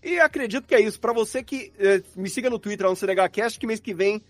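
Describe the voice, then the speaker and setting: Quick and high-pitched, this man's voice carries no room sound, though faint music plays behind it. He produces audio dramas and is a guest on a live podcast, chatting in a relaxed way with a Brazilian Portuguese accent.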